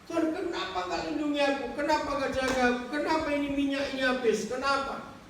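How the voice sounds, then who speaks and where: A man voicing an angry, desperate male woodcutter who shouts complaints and pleads, in a sermon story. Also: extremely high pitch, steady tone, fairly quick, slight background noise, voice pushed up. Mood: angry, pleading. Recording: echoey hall from far off.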